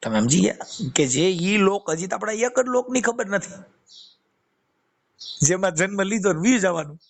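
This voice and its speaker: A man's voice: high voice, lively intonation, moderate pace. A man with a Kathiyawadi Gujarati accent giving an informal spiritual discourse on a phone call, preaching with quoted verses and repeated phrases. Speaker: devotional speaker with a YouTube channel.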